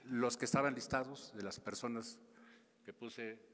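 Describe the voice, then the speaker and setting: A Mexican man in his seventies answering press questions in a halting, emphatic way, often repeating himself. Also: medium pitch, fairly even intonation, fairly bright tone. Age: 70s. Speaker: government official at press conference. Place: large indoor press conference hall. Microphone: podium microphones. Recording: reverberant hall, podium microphone.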